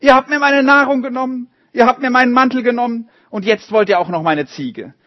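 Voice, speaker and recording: A man's voice: extremely high pitch, brisk, dry recording, lo-fi sound, voice pushed up. A man doing a furious bitter old woman. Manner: shouting angrily, then quiet and resigned.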